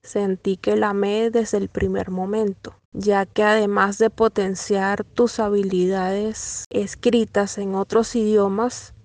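A woman's voice: medium pitch, level tone, slow pace, hardly any pauses, darkish tone, no echo. Earnest woman translator, dry close sound. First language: Spanish. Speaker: professional legal and medical translator. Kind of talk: personal testimony, read.

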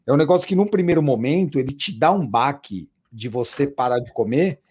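A man talking in a relaxed, chatty way, repeating words for emphasis. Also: medium pitch, brisk, breathy edge. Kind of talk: casual chat.

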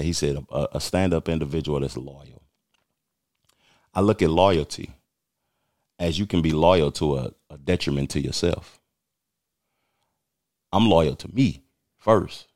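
Deep-voiced man in his forties, blunt. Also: unhurried, pauses often, a little mellow, no echo, clean studio sound. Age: 40s. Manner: blunt, emphatic, streetwise talk. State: losing his voice. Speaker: podcast host. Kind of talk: casual commentary.

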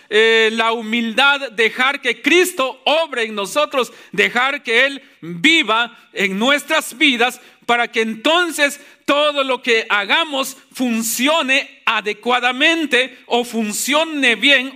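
High, bright-voiced pastor preaching slowly. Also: male voice. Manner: repetitive, rhetorical questions to the congregation, calls them brothers. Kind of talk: sermon. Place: church service.

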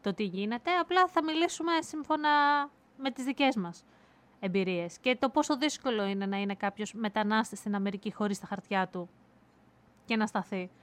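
A woman from Greece hosting a casual podcast chat, talkative, lively and teasing. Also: medium pitch. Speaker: podcast host.

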